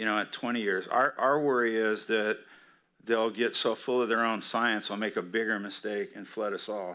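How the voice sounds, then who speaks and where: A man with an American accent, his tone bright and sharp, his intonation fairly even. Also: medium pitch for a man, moderate pace, quiet background. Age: 70s. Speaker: board member. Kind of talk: public meeting remarks.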